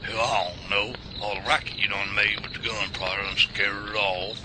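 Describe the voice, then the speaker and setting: An actor playing a gruff, bossy old Southern man, a hard-of-hearing veteran, with a folksy rural Southern US drawl in a radio drama. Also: lowish voice, steady tone, normal speed, heavy background noise, natural voice. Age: older. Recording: loud night crickets behind.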